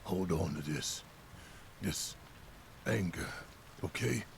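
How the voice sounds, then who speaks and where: An actor playing a big, gruff, hot-headed rebel father in a video game, forceful and emotional with a gravelly voice. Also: low-pitched, expressive, slow pace, slight background noise, heavily acted. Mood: grave, subdued. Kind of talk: dramatic video game acting.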